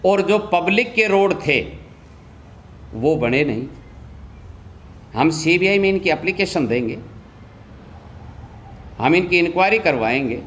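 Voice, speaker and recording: Slight background noise sits behind a high, somewhat bright male voice. Addressing reporters as a local politician and anti-corruption campaigner, he makes an insistent statement, repeating himself and leveling accusations.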